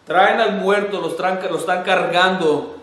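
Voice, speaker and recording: A man preaching a sermon as pastor, earnest and emotional, building to forceful emphasis. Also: high-pitched, steady tone, a little slow, reverberant. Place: church sanctuary.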